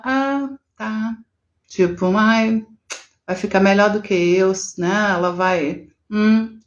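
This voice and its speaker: A woman with a Brazilian Portuguese accent talks on a live stream as an integrative therapist. She chats with her viewers, greets them by name and often closes her thoughts with a questioning "né?". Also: mid-range voice. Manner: chatty, greets and answers viewers by name, ends phrases with "né?".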